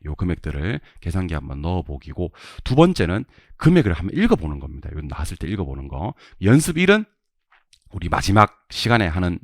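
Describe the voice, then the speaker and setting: Deep, lively-voiced man teaching a class. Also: fast talker, dry recording, studio quality. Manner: animated, drills numbers with repeated questions to students. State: just woke up, a bit scattered. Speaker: real estate exam instructor. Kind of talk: online lecture.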